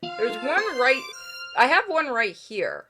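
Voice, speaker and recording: A woman's voice: on the high side, big pitch swings, slow. A woman gaming streamer reading visual novel text aloud and chatting casually as she plays. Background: game music.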